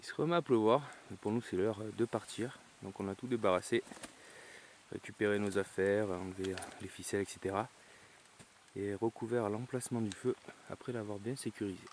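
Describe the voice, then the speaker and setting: At a fairly quick pace, a man with a fairly low pitch speaks in fairly even intonation, broken by long, frequent pauses. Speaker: bushcraft YouTuber. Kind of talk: outdoor vlog narration. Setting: outdoors in forest. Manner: soft-spoken.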